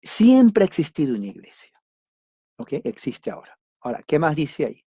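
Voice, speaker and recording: A man teaching a church doctrine class, speaking deliberately in simple words and repeating key words for emphasis. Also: on the high side, sing-song, mellow, husky, no echo, clean studio sound. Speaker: Bible study teacher.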